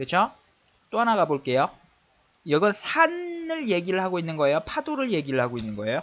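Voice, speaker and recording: Talking at a fairly quick pace with long, frequent pauses, a man with a high pitch makes very wide pitch swings. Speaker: English grammar teacher. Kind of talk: lecture. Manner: fast.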